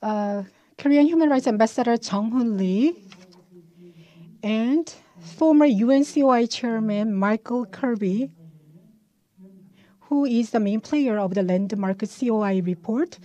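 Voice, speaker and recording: Mellow-voiced woman interpreting a speech. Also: on the high side, a little slow, long pauses, highs cut off. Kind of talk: live spoken interpretation of a formal speech.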